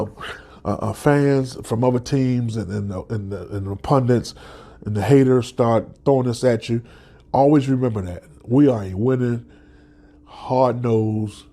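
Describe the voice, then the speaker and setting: A podcast host with a medium-pitched, warm, slightly rough voice runs a solo sports show while stuffed up from a cold. He talks like a passionate fan, restarting often and tagging lines with "okay?"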